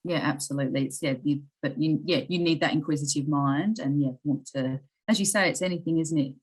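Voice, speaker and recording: Low, husky-voiced woman co-hosting. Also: fairly quick, rough recording. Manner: agreeable, chatty, with many "yeah"s. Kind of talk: webinar panel discussion.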